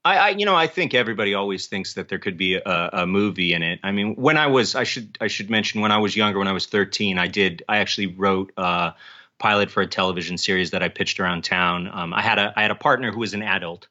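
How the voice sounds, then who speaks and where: A man speaking as an interview guest, an author talking casually in halting, self-correcting phrases. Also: deep voice, bright, forceful tone. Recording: dull, band-limited audio.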